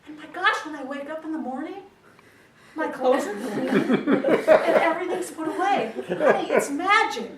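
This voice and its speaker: A woman storyteller voicing a confident, clueless young husband with wide-eyed excitement. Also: high-pitched, very fast, hardly any pauses, voice pushed up. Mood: awed, excited. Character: cocky, lazy, clueless young husband, a video-game slacker. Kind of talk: comic storytelling. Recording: echoey room, distant mic, some noise.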